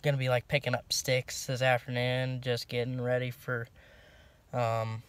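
A man's voice: mid-range voice, normal speed, clean tone. Young man rambling about his farm truck. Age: young adult. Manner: relaxed and rambling, many "um"s and restarts. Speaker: farm vlogger. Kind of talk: casual vlog walkaround. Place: inside a pickup truck cab and outdoors around it. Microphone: phone held at arm's length.

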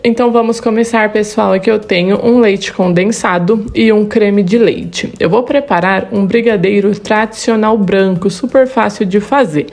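A woman's voice: mid-range voice, moderate pace, hardly any pauses, a little mellow, faint music behind. A woman in her thirties with a Brazilian Portuguese accent, hosting a cooking channel and walking viewers through a recipe in a friendly, chatty way that checks in with "tá bom?". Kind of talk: recipe tutorial with voice-over. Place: home kitchen studio for the intro.

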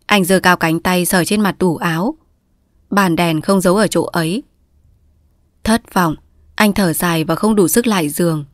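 A woman storyteller reading a literary short story aloud in a steady, even manner. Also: fairly low pitch, no echo, clean studio sound.

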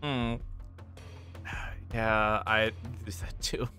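A man livestreaming a visual novel, reading text aloud and commenting casually in a halting, informal way. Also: on the low side, steady tone, pushed and bright, faint music behind. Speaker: streamer.

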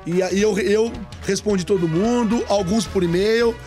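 Chatty male podcast co-host, late thirties, with a high voice; casual and repetitive in his phrasing. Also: normal speed, darkish tone, faint music behind. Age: 30s. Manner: chatty, repeats himself. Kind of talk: casual tech podcast chat. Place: studio desk with a podcast set. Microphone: desk microphone on a stand.

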